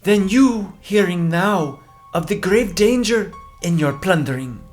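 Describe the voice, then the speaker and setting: A man voicing a stately island priestess who speaks in slow, halting broken grammar. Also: sits high, lively intonation, faint music behind, pitched above the performer's own voice. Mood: imperious.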